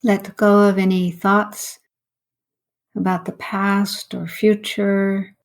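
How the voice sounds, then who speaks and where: A woman, a meditation teacher, leading a guided meditation in an unhurried, instructional way with long pauses. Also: medium pitch, gravelly, darkish tone.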